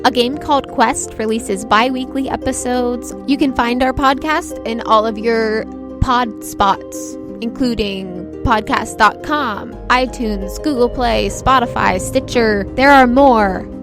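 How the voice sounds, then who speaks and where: A woman with a fairly high voice narrates as the game master of a roleplaying podcast. Music plays clearly behind her. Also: takes it slowly.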